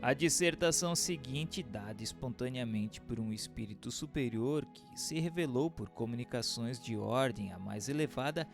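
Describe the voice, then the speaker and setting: A Brazilian man reading a book aloud as a narrator, in a formal, declamatory and deliberate scripted delivery. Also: mid-range voice, creaky, soft background music. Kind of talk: scripted audiobook-like narration of a spiritist treatise.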